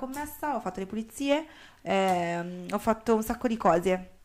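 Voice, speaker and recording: A woman's fairly high voice with lively intonation. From Milan, Italy. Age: 20s. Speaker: podcast co-host. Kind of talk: casual chat. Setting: home kitchen. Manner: loud.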